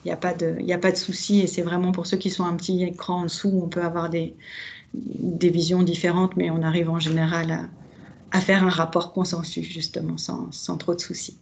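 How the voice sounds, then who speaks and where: A woman on a webinar panel with a lowish, gravelly voice. She speaks in an even, flat tone and explains things steadily, pausing on fillers. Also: a little hiss or hum. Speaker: expert evaluator panelist. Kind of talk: webinar discussion.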